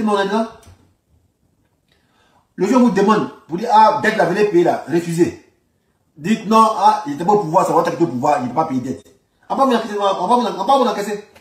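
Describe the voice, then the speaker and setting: A man's voice: sits high, lively intonation, fairly quick, long pauses. A man with an Ivorian accent giving an informal political monologue, insistent, repeating phrases for emphasis and asking rhetorical questions. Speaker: political commentator. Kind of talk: informal spoken political monologue in reply to a speech. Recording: roomy echo, distant microphone.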